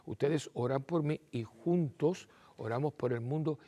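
A man's voice: fairly high pitch, a little slow, dark tone. A man, a Catholic priest hosting a televised sermon, who acts out little dialogues and repeats phrases for emphasis.

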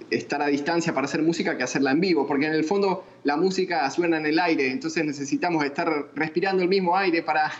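A man's voice: fairly high pitch, lo-fi sound, a little hiss or hum. A man from Argentina with an Argentine accent, a musician guest answering thoughtfully with many restarts. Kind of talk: interview answers.

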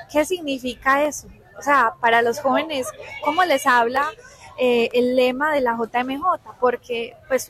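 A woman's voice: fairly high pitch, a bit bright, rough recording. Chatty woman reporting live. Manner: conversational, many fillers and restarts. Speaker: field reporter.

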